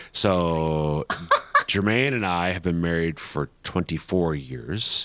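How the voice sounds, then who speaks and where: On a very clean recording with a silent background, a man with a Minnesotan accent speaks very slowly in a very deep, low voice, with very even loudness and ordinary pitch variation. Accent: Minnesota. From central Minnesota. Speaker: podcast host. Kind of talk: casual chat. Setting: studio.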